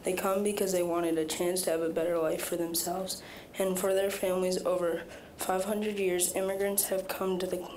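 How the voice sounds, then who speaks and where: A ninth-grade girl reads a prepared speech in a steady, rather monotone way. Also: lowish voice, a little hiss or hum, rough recording. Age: teens. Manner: steady, somewhat monotone reading. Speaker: student speaker.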